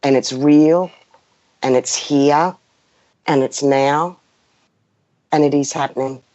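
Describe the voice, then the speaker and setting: Warm and extremely low, her voice keeps a fairly even intonation as she takes things slowly. She's in her fifties, from a Greek background, and acts as a spiritual guide hosting a live session, talking passionately without a script, emphasizing and repeating phrases for her listeners. The recording comes across muffled, roomy and lo-fi.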